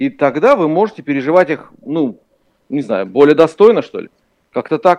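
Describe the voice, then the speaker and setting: With very wide pitch swings, vocal fry and big swings in loudness, a man talks at a moderate pace broken by long, frequent pauses. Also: fairly high pitch for a man. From former Soviet Union (Ukraine or Russia). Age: 40s. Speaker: theologian. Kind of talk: phone interview.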